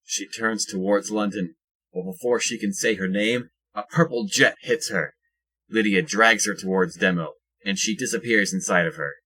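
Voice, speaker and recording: A man with a husky voice reading scripted narration for an audio drama. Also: fairly low pitch, moderate pace, bright, forceful tone, poor audio.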